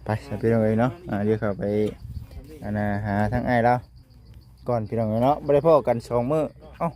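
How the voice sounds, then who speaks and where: A man's voice: medium pitch, fast talker, warm tone. Chatty Isan man vlogging. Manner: chatty, keeps calling out to viewers. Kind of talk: casual talk to viewers.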